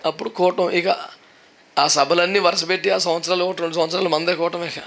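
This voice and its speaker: Man, pastor, sermon; high, bright, lively delivery with English asides. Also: fast. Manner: animated preaching, mixing in English, shouting praises. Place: church service.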